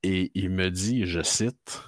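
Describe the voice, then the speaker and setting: Low-voiced Québécois co-host, rambling. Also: male voice, steady tone, takes it slowly, no room sound, studio quality. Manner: rambling storyteller with lots of fillers. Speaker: podcast co-host. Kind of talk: casual chat.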